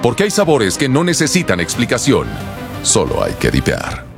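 A man's voice: mid-range voice, huge pitch swings, moderate pace. Dramatic male ad narrator. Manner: dramatic, storytelling. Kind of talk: scripted ad narration. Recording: with clear music behind.

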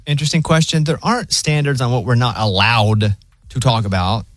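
A man's voice: mid-range voice, fairly quick, a bit bright, dry recording. A man with a Southern accent hosting a radio show, talking in a laid-back, joking, plainspoken way. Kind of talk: casual radio banter.

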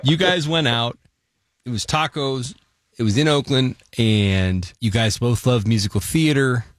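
A man hosting a radio morning show call-in segment, chatty and animated, steering the call with leading questions. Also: medium pitch, unhurried, dry recording, clean studio sound. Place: radio studio. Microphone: studio mic.

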